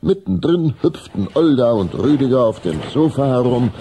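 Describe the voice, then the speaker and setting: A man as a measured storybook narrator in a children's audio drama, reading a scripted story. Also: mid-range voice, animated, warm tone, a little hiss or hum, close to an everyday voice. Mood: narrating.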